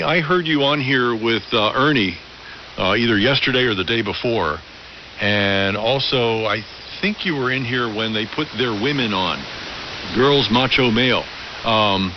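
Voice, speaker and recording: A middle-aged man with a lowish voice talks reflectively over AM ham radio. He is articulate and unhurried in his storytelling, speaking in long conversational turns. The sound is muffled and band-limited, with loud hiss throughout. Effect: AM ham radio transmission. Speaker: amateur radio operator.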